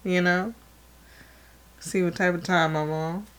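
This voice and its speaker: A young adult woman chatting as a podcast co-host. She speaks very slowly with a somewhat low voice. Her talk is hesitant and full of fillers. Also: steady tone, fairly bright tone, clear, resonant tone. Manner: unhurried, hesitant, many fillers. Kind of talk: casual chat.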